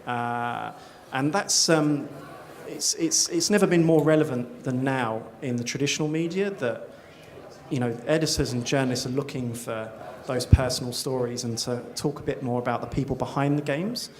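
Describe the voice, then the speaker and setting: A man's voice: mid-range voice, moderate pace. A man speaking on a conference panel, rambling with lots of filler sounds. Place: conference stage.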